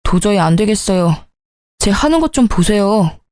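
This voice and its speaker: This is a blunt young son with a stiff, exasperated way of talking, played by a woman reading a story. His voice is warm and dark, recorded close and dry. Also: mid-range voice, animated, moderate pace, no echo, natural voice. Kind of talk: storytelling dialogue.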